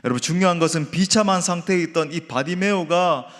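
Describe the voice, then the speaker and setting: A man's voice: on the high side, fairly quick, fairly bright tone. A man, a senior pastor, preaching a sermon emphatically, often asking the congregation rhetorical questions. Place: church sanctuary. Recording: reverberant church hall.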